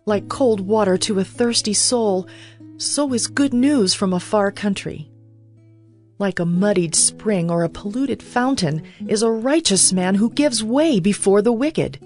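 A woman narrates a dramatized audio Bible in a mid-range voice. She reads scripture as scripted narration. Soft plucked guitar plays faintly behind her. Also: medium pitch, expressive, a little slow. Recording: soft guitar bed under the voice. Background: plucked guitar music.

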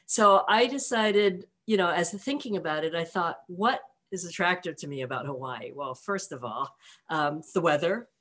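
An older woman from the San Francisco Bay Area, an author talking over a video call in a relaxed, reflective way with many pauses. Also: lowish voice. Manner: relaxed, reflective, light laughs, many ums. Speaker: author guest. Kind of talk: conversational interview answers. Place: home room with block wall. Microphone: video call webcam.

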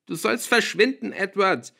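A man voicing a desperate teenage girl who shouts through tears, in an audiobook reading. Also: sits high, unhurried, gravelly, voice pushed up, heavily acted. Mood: screaming.

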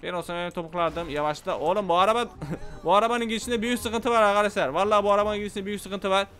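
A man giving loud, playful gameplay commentary, shouting at the game's characters as he plays. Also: high voice, very fast, a little hiss or hum. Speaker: gaming channel host.

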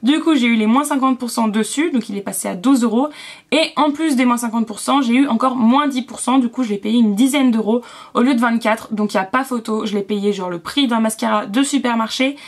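Chatty young woman doing a haul vid, slightly high voice, lots of ums. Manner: chatty, filler-heavy, quick asides. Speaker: beauty vlogger. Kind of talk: casual haul chat.

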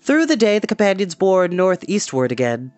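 A man's voice: high voice, big pitch swings, normal speed, dry recording, faint music behind. A man in his twenties hosting a storytime, reading a storybook expressively with casual asides. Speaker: storytime host and reader. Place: small home room, indoors.

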